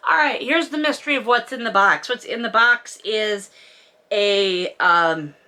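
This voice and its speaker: Bright-voiced woman giving a sarcastic book recap. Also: mid-range voice, a little slow. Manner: sarcastic, wry asides. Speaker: book recap host, reviewer. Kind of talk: casual comedic book recap commentary.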